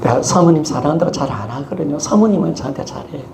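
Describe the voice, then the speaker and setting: Gravelly Gyeongsang-accented pastor preaching. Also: male voice, a little high, lively intonation, fast talker. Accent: Gyeongsang Korean. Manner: emphatic, calls for congregation response. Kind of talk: sermon. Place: church sanctuary. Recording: echoey church hall with background noise.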